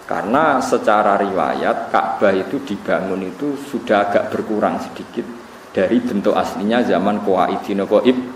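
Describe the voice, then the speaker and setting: A man's voice: on the low side, normal speed. A man from Central Java with a Javanese accent, teaching Quran commentary as a cleric, telling stories animatedly with chuckling asides. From Central Java, Indonesia. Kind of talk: religious study lecture. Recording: roomy, distant recording with faint hum.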